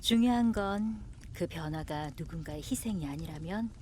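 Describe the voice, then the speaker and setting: A woman as low-voiced, gentle, wise mother. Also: normal speed, slight background noise, close to an everyday voice. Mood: tender, wise. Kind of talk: audio drama acting.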